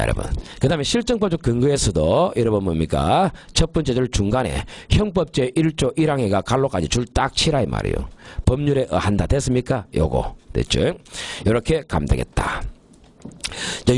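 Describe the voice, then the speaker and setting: A man lecturing on criminal law for an exam course, emphatic and often checking that the class follows, slowing down to dictate key phrases. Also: mid-range voice, wildly swooping pitch, darkish tone, dry recording. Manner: emphatic, keeps asking the class to confirm.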